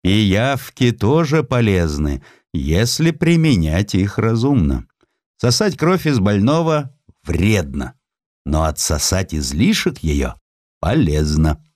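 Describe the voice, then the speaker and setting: A man playing an opinionated, commanding nineteenth-century doctor lecturing his students in an emphatic, deliberate, didactic way for an audiobook. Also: fairly low pitch, very animated, a little mellow, dry recording, studio quality. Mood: pointed, assured.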